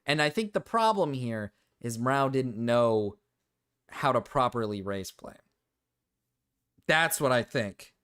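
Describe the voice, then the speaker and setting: A man's voice: medium pitch, expressive, slow, long pauses, fairly bright tone, clean tone. A man livestreaming in a casual, joking chat with viewers, often repeating his own phrases.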